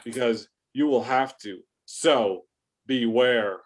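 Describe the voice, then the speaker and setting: A man's voice: mid-range voice, takes it slowly. A man playing a threatening hardcore giant wrestler in a staged promo reading. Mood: taunting warning.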